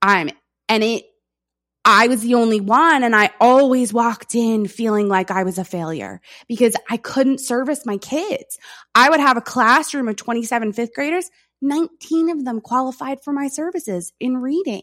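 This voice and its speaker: A woman's high-pitched voice in a New York accent, lively in intonation, dry and close with no echo. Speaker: content strategist and former teacher. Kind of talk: interview. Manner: fast.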